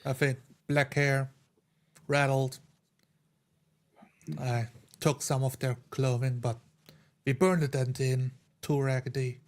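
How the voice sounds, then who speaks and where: Tabletop adventurer, played by a man: unrefined big eater, mid-pitched, slow, terse delivery. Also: little pitch movement, natural voice. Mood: matter-of-fact. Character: blunt, hungry, unrefined adventurer.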